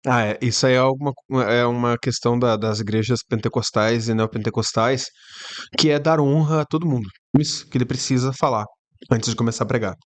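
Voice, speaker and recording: A man's voice: mid-range voice, a little fast. A man hosting a reaction video, commenting casually and sarcastically on a sermon. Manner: sarcastic, chatty asides. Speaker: YouTube reaction host.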